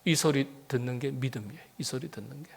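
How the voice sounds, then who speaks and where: A middle-aged man preaching a sermon as pastor. He is dramatic and rhetorical, often questioning the congregation and swinging from loud emphasis to hushed near-whispers. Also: medium pitch, quick pace, vocal fry, slightly rough.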